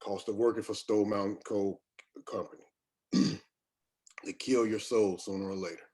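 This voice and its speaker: Man playing a weary, bitter, low-voiced doctor. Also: steady tone, moderate pace, mellow, natural voice. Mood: bitter, resigned. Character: weary, defensive, drink-worn company doctor, bitter and guilty. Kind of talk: screenplay table read.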